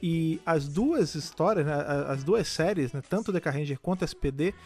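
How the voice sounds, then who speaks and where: A man's voice: fairly high pitch, animated, darkish tone, husky. A Brazilian man co-hosting a podcast, chatting enthusiastically and peppering his talk with slang fillers. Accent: Brazilian Portuguese. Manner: fast, enthusiastic, peppered with "cara". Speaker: podcast co-host. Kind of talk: casual podcast chat.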